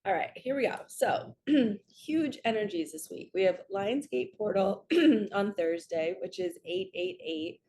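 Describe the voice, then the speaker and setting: A woman with a slightly raspy, just-woken-up voice, hosting a casual spiritual reading vlog in an earnest, chatty way that drifts into stories. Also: mid-range voice, animated, a little slow, mellow, a little hiss or hum. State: raspy from waking up and allergies. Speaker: host, spiritual card reader.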